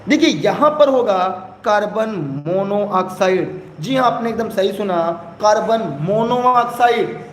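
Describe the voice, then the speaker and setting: A young male teacher with a high voice and an eastern Uttar Pradesh Hindi accent, running a live exam-prep class. He keeps pressing viewers to comment quickly and repeats key phrases. The room is echoey, with a faint hiss behind him.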